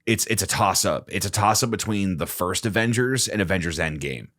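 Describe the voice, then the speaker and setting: A man with a very low voice chatting easily on a podcast. He is relaxed and quick to laugh, and he leans on fillers as he gathers his thoughts. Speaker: podcast co-host. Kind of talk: casual chat.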